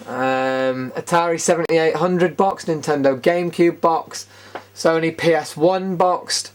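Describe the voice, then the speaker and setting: A British man hosting a retro gaming show, casually narrating a room tour in an informal, rambling, enthusiastic way. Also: a little high.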